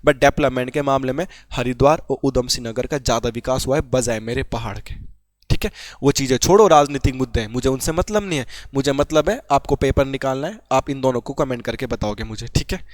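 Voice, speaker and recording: A man's voice: mid-range voice, brisk, no echo. A young man from Garhwal teaching an informal exam-prep lesson, chatty, asking and answering his own questions. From Uttarakhand, Garhwal.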